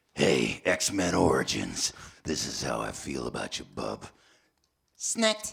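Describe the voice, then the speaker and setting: A man's put-on character voice, raspy and very deep and low, at a fairly slow pace with long, frequent pauses. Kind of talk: convention panel talk.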